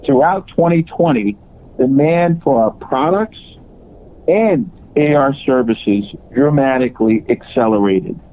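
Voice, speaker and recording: A man presenting as a company executive, reading scripted earnings call remarks in a halting way with broken phrasing. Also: mid-range voice, animated. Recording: dull, lo-fi conference call audio.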